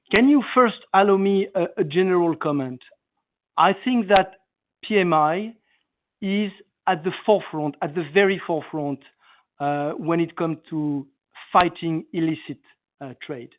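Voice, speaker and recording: A male company executive answering analysts on an earnings call in a halting, emphatic way, repeating phrases for stress. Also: fairly high pitch, no echo. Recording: narrow tinny phone line.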